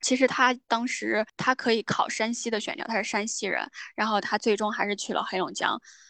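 Fairly high in pitch, a woman talks at a fairly quick pace with hardly any pauses and fairly even intonation in a bright, sharp tone. The sound is dry and close with no echo, over a quiet background. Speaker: graduate student. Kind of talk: interview conversation.

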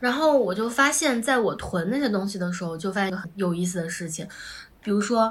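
A woman talks fairly quickly in an ordinary speaking voice. Her pitch is medium and her intonation lively. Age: 30s. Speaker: podcast co-host and mother. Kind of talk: casual chat.

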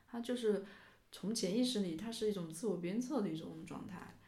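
Somewhat breathy and dark, mellow in tone, a woman speaks at a moderate pace with ordinary pitch variation while the room echo is audible. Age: 20s. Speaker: podcast co-host. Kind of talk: casual chat.

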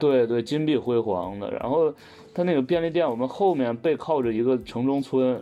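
Music plays behind a man with a Northeastern Chinese accent. He talks at a moderate pace and medium pitch with ordinary pitch variation. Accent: Northeastern Mandarin. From Northeast China. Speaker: painter, former convenience store clerk. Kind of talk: casual chat. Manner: stammering repetitions.

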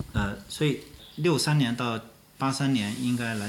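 There is audible room echo around a man's voice. His pitch variation is ordinary. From China, Nanjing. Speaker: architecture professor. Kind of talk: interview conversation. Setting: recorded in a historic house. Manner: hesitant, many fillers.

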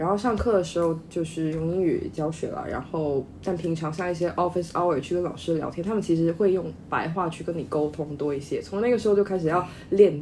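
Over noticeable background noise, a woman speaks at a fairly quick pace, her fairly low pitch showing ordinary variation. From Chaozhou, Guangdong, China. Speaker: podcast guest. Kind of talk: casual chat.

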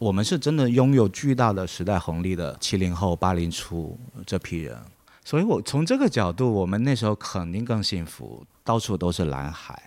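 A man with a fairly low pitch talks at a moderate pace, his pitch swinging very widely. The recording is very clean, with a silent background. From Guangdong, China. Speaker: writer and former magazine editor. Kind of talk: casual chat.

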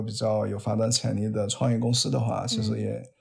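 Very fast and somewhat breathy, a man speaks at a medium pitch. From Sichuan, China. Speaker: internet product manager. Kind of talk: casual chat.

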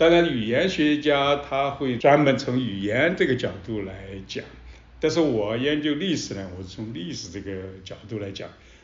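Audible room echo surrounds a man of medium pitch who talks at a moderate pace with lively intonation and big swings in loudness. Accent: strong Sichuan. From Sichuan, Chengdu. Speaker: history professor. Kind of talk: interview.

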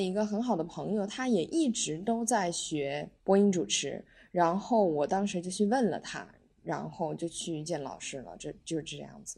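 Against a quiet background, a woman speaks at a moderate pace and medium pitch with a dark, mellow tone, lively intonation and big swings in loudness. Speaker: broadcasting student. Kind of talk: casual chat.

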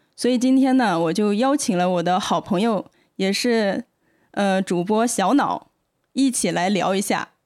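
In a plain, everyday voice, a woman speaks at a fairly slow pace with medium pitch, ordinary pitch variation and very even loudness, on a very clean recording with a silent background. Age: 30s. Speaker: novelist and screenwriter. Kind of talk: casual podcast conversation.

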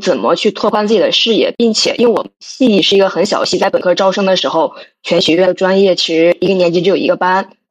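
Against a quiet background, a woman speaks fairly quickly at a medium pitch with ordinary pitch variation. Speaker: undergraduate caller. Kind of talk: casual call-in consultation. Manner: hesitant, many fillers.

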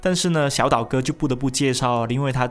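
In a very clean recording with a silent background, a man uses an ordinary speaking voice at a medium pitch with fairly even intonation. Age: 30s. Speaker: music podcast host. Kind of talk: solo podcast monologue.

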